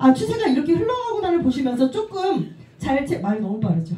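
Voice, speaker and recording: At a fairly quick pace, a woman talks with a high pitch and very wide pitch swings. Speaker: crypto trading presenter. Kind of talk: presentation to audience. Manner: fast.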